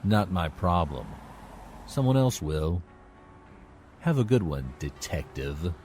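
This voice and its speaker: An actor playing a smug criminal informant in an audio drama, taunting and at ease. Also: male voice, deep voice, very animated, takes it slowly, a little mellow, slight background noise, full character voice. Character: smug, unhurried male criminal informant squeezing for money.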